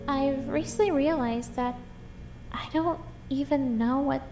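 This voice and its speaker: Casting: woman as kindly young cartoon hedgehog heroine, very high voice, slow earnest delivery, audio drama. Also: music in the background. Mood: hesitant, thoughtful.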